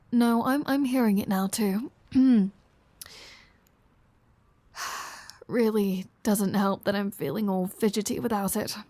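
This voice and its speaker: A woman acts out a flirty female vampire, an unrepentant predator in an intimate audio roleplay. She talks slowly in a mellow, relaxed voice, teasing and sardonic with plenty of swearing. The sound is close and dry. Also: fairly high pitch, dry recording. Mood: defensive, exasperated. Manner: teasing, sardonic, foul-mouthed.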